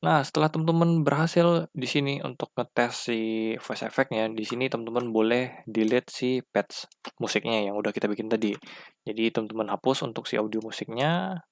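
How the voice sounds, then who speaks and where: A man with an Indonesian accent giving a casual, step-by-step software tutorial and addressing viewers informally as friends. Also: mid-range voice, no room sound. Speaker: tutorial presenter.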